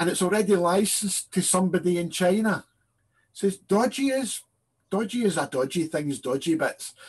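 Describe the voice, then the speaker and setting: Speaking with a Scottish accent at a moderate pace, a man uses a high pitch with ordinary pitch variation against a quiet background. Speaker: hobbyist club presenter. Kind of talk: presentation.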